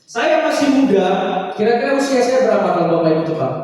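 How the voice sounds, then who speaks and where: A man's voice: extremely high pitch, big pitch swings, fast talker, background noise. A young man in his twenties, a Catholic priest, giving a nervous, self-joking talk to a prayer meeting. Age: 20s. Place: church hall. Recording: roomy hall reverb, distant mic.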